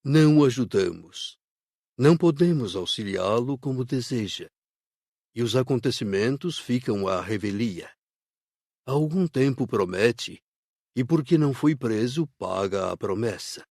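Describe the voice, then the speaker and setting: A Brazilian man voicing a sober spirit helper in an audiobook, explaining in a measured, serious way. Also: medium pitch, lively intonation, darkish tone, dry recording, studio quality. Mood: sober, regretful. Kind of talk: audiobook dialogue reading.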